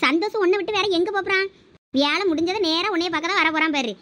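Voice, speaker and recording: A woman's voice: very high voice, quick pace, bright, forceful tone. Woman doing a kindly fretful mother-in-law with a Thoothukudi accent. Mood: soothing. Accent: Thoothukudi Tamil. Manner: soothing, coaxing, motherly.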